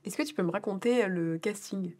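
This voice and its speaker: A woman's voice: medium pitch, brisk, darkish tone. A woman hosting an interview in a casual, chatty and playful way.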